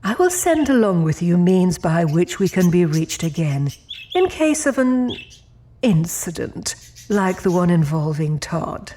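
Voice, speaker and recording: A woman playing a genteel, imperious female demon in an audio drama, speaking formally with cool, measured politeness. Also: lowish voice, sing-song, dark tone, slight background noise. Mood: gracious, warning.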